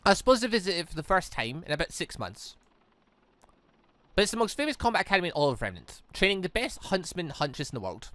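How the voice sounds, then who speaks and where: A man's voice: high-pitched, very animated, fast, bright, forceful tone, no room sound, heavily acted. A man voicing a polite, plucky and slightly awkward teenage girl in a visual novel, earnest and courteous. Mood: earnest, informative.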